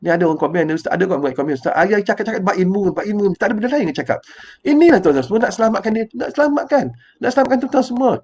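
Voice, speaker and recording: A man's voice: high voice, expressive, racing, a little mellow, lo-fi sound. An older man with a Malaysian Malay accent giving a rambling, emotional live-streamed religious talk, repeating words and calling himself by his title. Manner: rambling, repetitive and emotional, refers to himself in the third person. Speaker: preacher.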